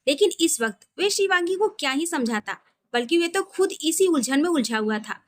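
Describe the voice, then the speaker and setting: A woman with a high voice narrates romantic fiction. She reads from a script as a storyteller. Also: animated, normal speed.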